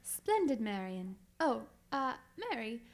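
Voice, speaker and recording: A kindly, sentimental gentleman companion, played by a woman in radio theatre. The voice is high, with a genteel manner and an exclamatory way of reacting. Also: very animated, takes it slowly, exaggerated voice. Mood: genial, sympathetic.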